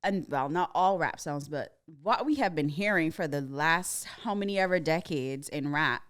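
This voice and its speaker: Woman, podcast co-host, low smooth voice, playful and laughing. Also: expressive, moderate pace. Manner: easygoing, laughs often, playful. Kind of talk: casual podcast chat.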